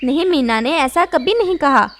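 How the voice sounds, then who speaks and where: A woman voicing a gentle, devoted young female bird in a cartoon, speaking softly and earnestly. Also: high voice, expressive, moderate pace, a little hiss or hum. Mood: pleading.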